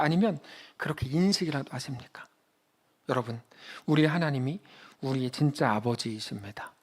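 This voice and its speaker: A male pastor preaching a Sunday sermon in a church, telling stories and acting out quotes, swinging between loud emphatic peaks and quiet low asides. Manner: storytelling, acts out quotes in a child's voice. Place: church sanctuary.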